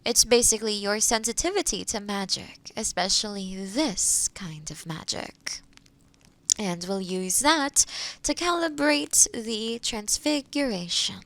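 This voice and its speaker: A woman playing a kind, skilled witch in an intimate roleplay audio drama, gently reassuring, with soft near-whispers and thoughtful murmurs. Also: medium pitch, lively intonation, measured pace. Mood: patient explaining.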